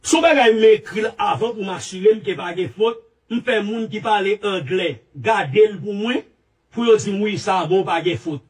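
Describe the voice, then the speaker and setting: A man giving a rambling, halting statement with many repeats and restarts, heard from a played clip. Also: high voice, distant mic. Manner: repetitive, halting, restarts often.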